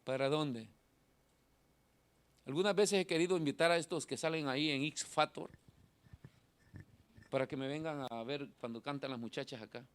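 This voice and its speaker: Middle-aged pastor guy, thin nasal voice, goes from yelling to quiet asides, preaching in a church. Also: fairly high pitch, normal speed, long pauses. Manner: animated, swings from shouting to quiet asides. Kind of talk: sermon. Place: church hall.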